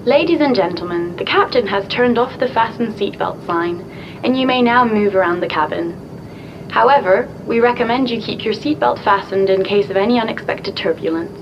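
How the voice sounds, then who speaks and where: A courteous flight attendant , voiced by a woman, reads cabin announcements in a formal, polished manner. The sound is somewhat muffled, with a steady rumble clearly heard underneath. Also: normal speed, natural voice. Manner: polite, formal announcement delivery. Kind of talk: scripted English-lesson dialogue.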